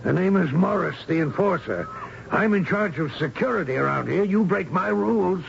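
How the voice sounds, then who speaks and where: An actor playing a surly, bullying security enforcer in a radio drama, speaking gruffly and ungrammatically in a gravelly voice. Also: male voice, high-pitched, lively intonation, normal speed, exaggerated voice. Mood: menacing, suspicious. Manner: gruff, uneducated, ungrammatical speech. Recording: dull, noisy old radio recording.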